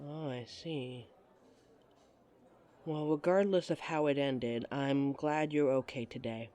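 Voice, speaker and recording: A woman's voice: rumbling low, takes it slowly, mellow. A woman performing a scripted roleplay monologue to a listener, playful and giggly, with a teasing manner.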